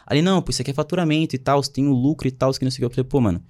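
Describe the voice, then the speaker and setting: A man's voice: medium pitch, rapid-fire, darkish tone. A young man in his twenties, casually telling his life story in a slangy way, often quoting what others said. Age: 20s. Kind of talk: casual chat.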